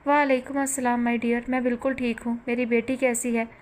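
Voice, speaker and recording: A woman's voice: fairly high pitch, little pitch movement, brisk, a little mellow, natural voice. A woman voicing a caring, worried mother asking anxious questions in an audiobook. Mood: concerned. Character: worried loving mother abroad on the phone.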